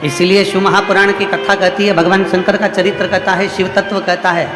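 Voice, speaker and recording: High-voiced man preaching in an echoey hall. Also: little pitch movement, brisk. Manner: repetitive, rhythmic preaching with rising emphasis. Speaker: religious storyteller. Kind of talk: devotional sermon. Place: large hall at a religious gathering. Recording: echoey hall with music behind.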